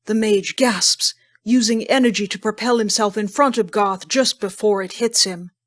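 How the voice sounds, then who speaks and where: Lady narrator, medium pitch, reading story scenes for an audio drama, measured storytelling.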